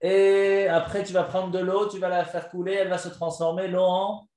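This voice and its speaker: A man's voice: sits high, moderate pace. Male rabbi teaching live, storytelling style, quizzes the class, tenor voice, echoey room. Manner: animated storytelling, quizzes listeners. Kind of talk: live Torah lesson told as a story.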